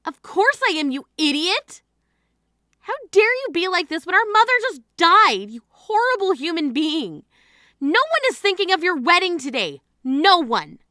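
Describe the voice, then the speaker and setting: Woman as exasperated grieving sister, scolding, high and bright. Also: sing-song, moderate pace, dry recording, clean studio sound, exaggerated voice. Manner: scolding, indignant. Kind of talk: scripted drama dialogue.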